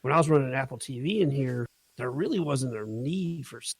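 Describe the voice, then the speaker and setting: A man's voice: mid-range voice, lively intonation, fairly quick, slightly rough, dry recording. A man with an American accent chatting casually as a podcast co-host in a laid-back, slangy, mildly profane way. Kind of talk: casual chat.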